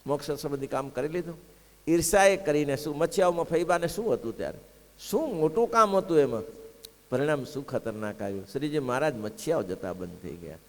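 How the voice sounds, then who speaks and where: A man with a fairly high voice preaches a devotional sermon. He tells stories, acts out what the characters say, and turns to his listeners with rhetorical questions. His voice rings out in a hall with a long echo. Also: animated, brisk. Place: gurukul assembly hall.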